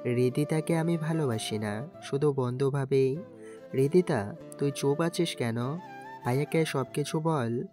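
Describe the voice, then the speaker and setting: A man's voice: medium pitch, a little slow, natural voice. A man playing an anxious, ordinary college student in an audio story, earnest and pleading in his delivery. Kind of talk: Bengali audio story acting and first-person narration. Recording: music under the voice.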